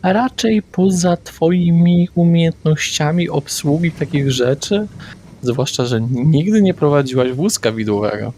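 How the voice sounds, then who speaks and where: A man running a tabletop vampire game as game master, describing scenes deliberately with pauses and fillers. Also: a little high, lively intonation, warm tone, a little hiss or hum.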